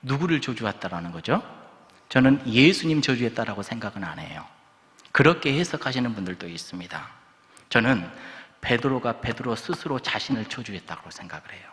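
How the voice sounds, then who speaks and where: Male pastor, sermon in a reverberant church hall, animated pitch, rhetorical questions, loud-to-whisper swings. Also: fairly quick. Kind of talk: Sunday sermon. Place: church sanctuary.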